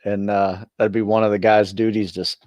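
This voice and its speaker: A man co-hosting a podcast in casual chat, easygoing and a bit halting as he talks. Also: on the low side, flat delivery, a little mellow, dry recording, clean studio sound. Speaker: podcast co-host and fitness group trainer.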